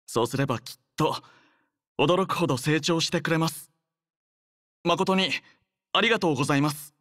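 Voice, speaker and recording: A man's voice: a little high, no room sound, close to an everyday voice. Man acting a courteous, devoted young soldier, close-miked. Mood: polite, flustered. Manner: polite, soft-spoken, measured, sincere. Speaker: voice actor. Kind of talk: acted game character voice lines.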